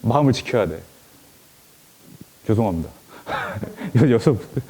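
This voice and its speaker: Lively man preaching to kids. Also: medium pitch, unhurried, slight background noise. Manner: animated storytelling, addresses children. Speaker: pastor. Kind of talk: children's sermon.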